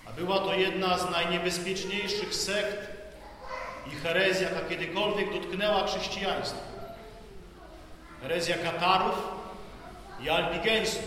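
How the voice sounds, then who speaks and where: Slow solemn priest in echoing church. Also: male voice, high voice, fairly even intonation, bright, forceful tone, a little hiss or hum. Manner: slow, solemn preaching with long pauses. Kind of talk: sermon. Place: large church. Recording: echoey church hall.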